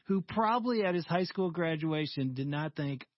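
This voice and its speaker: A male radio host telling a story with animated energy and acting out the people in it. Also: on the high side, normal speed, no room sound. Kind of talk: conversational storytelling. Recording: slightly dull, dry studio sound.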